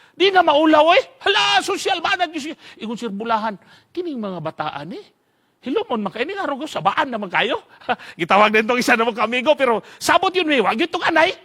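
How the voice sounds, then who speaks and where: A man from the Southern Philippines preaching a sermon, telling an animated story with frequent laughs. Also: very high-pitched.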